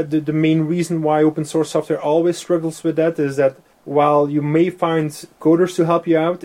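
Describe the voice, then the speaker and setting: Warm in tone and pitched on the high side, this interview guest is a software developer whose first language is Dutch. Speaking English in a casual chat, he laughs a lot and fills his speech with fillers.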